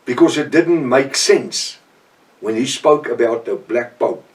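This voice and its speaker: An older South African man with an Afrikaans accent, giving an informal, earnest Bible teaching with frequent pauses and restarts. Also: medium pitch, distant mic. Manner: earnest, halting, with many restarts. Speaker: professor and preacher.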